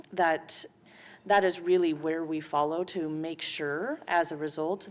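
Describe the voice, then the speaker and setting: A woman with a hoarse voice from a cold, giving a formal briefing to a city council, often restarting and correcting herself. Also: low-pitched. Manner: halting, with frequent restarts and self-corrections. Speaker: city department head presenting to council.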